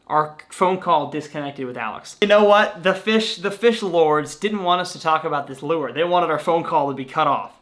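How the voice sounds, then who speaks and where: A young adult man hosts a casual, playful debate over a video call from a room at home, easygoing as he wraps up the show. His voice is on the high side and fairly bright, at a moderate pace with few pauses, picked up by a webcam.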